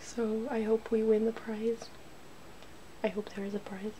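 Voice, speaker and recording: A woman hosts an ASMR video, chatting casually and informally while she does someone's makeup. Her voice is a little high and dark-toned, with level intonation and an unhurried pace. The audio is poor, with noticeable background noise.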